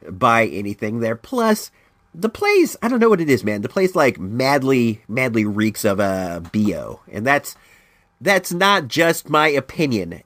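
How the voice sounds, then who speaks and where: Allergies leave this Northern Californian podcast host sounding stuffed up as he rambles through casual talk, often restarting and shifting animatedly up and down. His pitch is medium and the recording dry.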